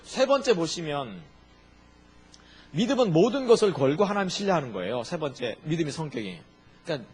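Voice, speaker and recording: A middle-aged male pastor delivering an emphatic sermon. His voice sits a little high with a husky edge, and his pitch leaps and drops as he throws questions at the congregation. He hammers each point home with insistent repetition.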